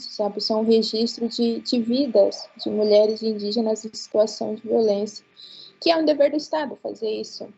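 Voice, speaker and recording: A woman whose first language is Guarani, speaking as a panelist in an online webinar, earnest and halting with many restarts. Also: on the high side, darkish tone, lo-fi sound. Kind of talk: webinar talk. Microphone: video call.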